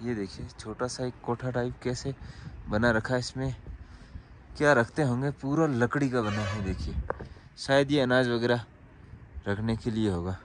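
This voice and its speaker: A man's voice: mid-range voice, moderate pace, long pauses. A young man from Rajasthan, filming a casual travel vlog with a handheld phone outdoors in a mountain village, chatting to viewers as he points things out. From Rajasthan, India. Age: young adult. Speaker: travel vlogger. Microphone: phone held at arm's length. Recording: outdoor phone recording, loud wind and traffic noise.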